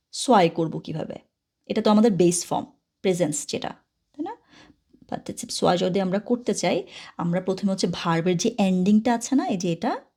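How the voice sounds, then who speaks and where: A woman teaching a German grammar lesson in Bengali, patient and steady, often pausing to ask whether the students follow. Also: medium pitch. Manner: patient, asks many checking questions. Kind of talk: classroom-style grammar lesson.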